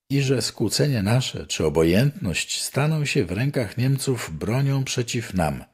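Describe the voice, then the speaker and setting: An older man with a deep, low-pitched voice that is slightly husky. He reads old newspaper articles aloud in a formal, measured and declamatory way. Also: darkish tone. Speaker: newspaper reader.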